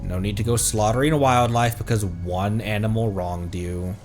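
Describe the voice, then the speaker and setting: A man's voice: on the low side, normal speed. A man giving casual, playful live commentary as he plays a video game, mimicking game lines now and then. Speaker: streamer playing a video game. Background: game music.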